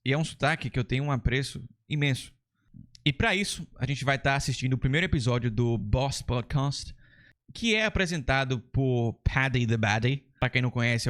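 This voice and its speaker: A man from Brazil with a Brazilian Portuguese accent hosts a casual language lesson. He talks in a chatty, enthusiastic way, explaining each point step by step. His voice sits at an ordinary male pitch. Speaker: English teacher and channel host.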